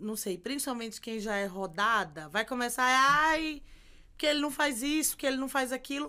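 A woman's high pitch, bright, sharp tone and lively intonation over a quiet background. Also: moderate pace. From Pernambuco, Brazil (Recife/Olinda); Pernambuco, Brazil. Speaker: content creator and columnist; content creator. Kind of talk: casual interview. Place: studio. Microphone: studio mic.

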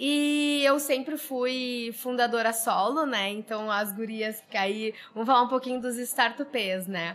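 Very slowly yet with hardly any pauses, a woman in a Rio Grande do Sul accent speaks at a high pitch with ordinary pitch variation, on a very clean recording with a silent background. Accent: southern Brazilian Portuguese (gaúcho). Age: 20s. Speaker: startup founder and CEO. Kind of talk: panel discussion. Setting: recorded at a trade fair.

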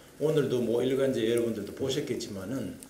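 At a moderate pace, a man talks amid light background noise and audible room echo. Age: 60s. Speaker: politician. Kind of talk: formal meeting remarks. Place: meeting room. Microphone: podium.

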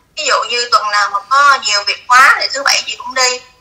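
Against a quiet background, a woman speaks in a high-pitched, raised, projected voice. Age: 40s. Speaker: dating show participant; interviewee. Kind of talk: interview. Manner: halting, many fillers. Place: home room.

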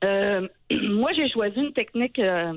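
Speaking fairly slowly in a Quebec accent, a woman uses ordinary pitch variation. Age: 40s. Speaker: nurse. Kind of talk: call-in radio show. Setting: phone call.

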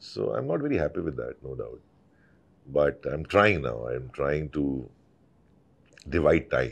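A man talks at a moderate pace. He leaves long, frequent pauses. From Gwalior, India. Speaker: actor. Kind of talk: interview answer. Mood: reflective, slightly regretful. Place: studio.

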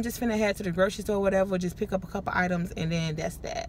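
A woman's voice comes through with a dry sound and no echo. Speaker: vlogger. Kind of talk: casual vlog chat. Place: car. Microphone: phone near.

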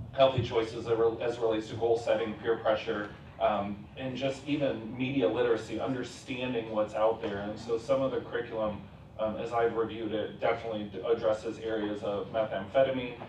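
Over light background noise and audible room echo, a man talks at a fairly quick pace with monotone, flat intonation. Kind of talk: public meeting presentation. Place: meeting room.

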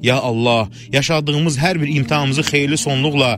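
The speaker uses a normal speaking voice at a moderate pace with ordinary pitch variation. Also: man. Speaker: religious prayer leader. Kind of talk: prayer. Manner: solemn.

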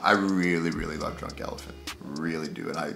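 A man's very deep, low voice with lively intonation, clear music playing in the background. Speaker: skincare content creator. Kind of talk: casual talk to camera. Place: home room. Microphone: webcam.

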